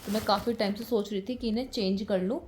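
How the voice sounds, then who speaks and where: A woman's voice: medium pitch, fairly even intonation, quick pace, darkish tone, slight background noise. A young woman, chatting casually to viewers in a home vlog, repeating words for emphasis. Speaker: vlogger. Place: home, indoors.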